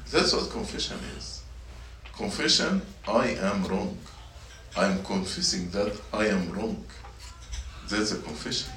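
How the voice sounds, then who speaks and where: A man's voice: fairly low pitch, expressive, measured pace, pushed and bright. A man teaching a sermon to middle schoolers, repeating his points and asking the students questions. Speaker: church youth teacher. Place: church meeting room. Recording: echoey room, mic at a distance, faint noise.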